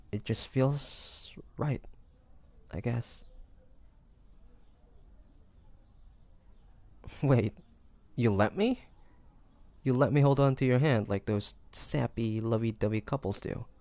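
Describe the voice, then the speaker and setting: A man's voice: medium pitch, creaky, darkish tone, no room sound. A man playing a flustered, smitten demon hunter in a romantic audio roleplay, hesitant and stammering, often muttering to himself. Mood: shy, hesitant. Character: flustered young male demon hunter, secretly smitten and awkward.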